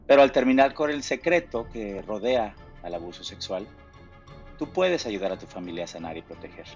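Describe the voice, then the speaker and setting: A man hosting a podcast interview, speaking hesitantly and filling pauses with "eh". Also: low-pitched. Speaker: podcast host. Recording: dull lo-fi with faint music.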